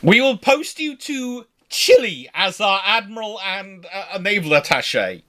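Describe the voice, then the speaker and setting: Man, history show host, slightly high-pitched voice, unscripted discussion, discursive, emphatic, self-correcting. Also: sing-song, measured pace, bright, forceful tone.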